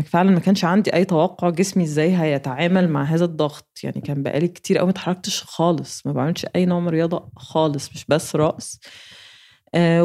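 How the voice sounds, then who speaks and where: A woman's voice: lowish voice, mellow. A woman in her thirties with an Egyptian Arabic accent, telling a personal story candidly in an interview, laughing now and then. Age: 30s. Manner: candid, laughs while recounting.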